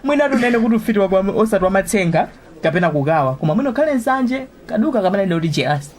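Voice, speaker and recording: A woman's voice: mid-range voice, racing, natural voice. A woman with a Malawian accent playing a spirited, opinionated young student bantering in a radio drama. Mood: playful, stubborn. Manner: animated, bantering. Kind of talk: vernacular radio drama acting.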